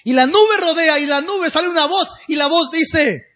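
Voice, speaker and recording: Casting: predicador de tono muy alto, frases largas y dramáticas, audio opaco de baja calidad. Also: male voice, very high-pitched, sharp tone, highs cut off. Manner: dramatic, drawn-out phrases and emphatic pauses. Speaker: pastor. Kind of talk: sermon.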